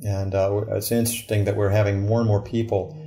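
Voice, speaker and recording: A man hosting a Christian radio program in a studio, talking in a halting way with many fillers. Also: fairly low pitch, level tone, mellow.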